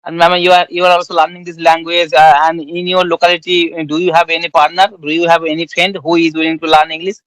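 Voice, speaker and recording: A man from West Bengal with an Indian accent, asking polite, halting questions with many restarts on an English practice call. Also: on the high side, flat delivery, fairly bright tone, no room sound, poor audio. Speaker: conversation partner asking questions. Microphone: online call.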